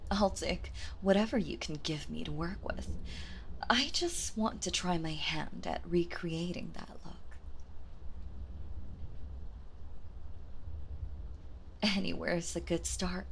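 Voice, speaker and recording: A woman voicing a gentle, doting villainess in an ASMR role-play, soft-spoken and soothing, often slipping into a soft voice. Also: on the low side, a little slow, creaky, slight background noise. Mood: gentle, curious.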